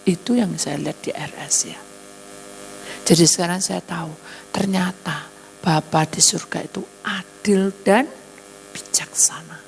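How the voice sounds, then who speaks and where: A woman's voice: a little slow, creaky, pauses often, soft background music, low-quality recording. A woman pastor, preaching a sermon and acting out dialogue in shifting voices. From Indonesia. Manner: acts out dialogue in shifting voices, high crying wails. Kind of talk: sermon with acted-out testimony.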